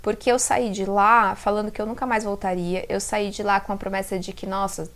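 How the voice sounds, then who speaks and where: A woman's voice: medium pitch, fairly quick. Reflective woman from inland São Paulo. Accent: interior São Paulo (caipira r). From interior of São Paulo state, Brazil. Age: 30s. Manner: conversational and expressive, often addresses viewers directly. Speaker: self-leadership content creator. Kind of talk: casual reflective vlog to camera.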